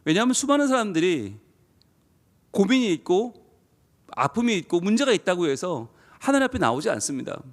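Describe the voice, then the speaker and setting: Animated, high-voiced male pastor preaching. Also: fairly quick. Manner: preaches in rhetorical questions, drawing out key words. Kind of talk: sermon at a dawn revival service.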